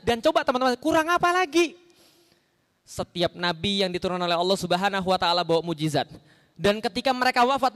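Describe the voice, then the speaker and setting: A man preaching an Islamic sermon in a conversational way, asking the audience rhetorical questions and acting out the lines he quotes. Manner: acts out quoted lines with sharp rises in pitch and volume. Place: large hall. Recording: long hall reverb.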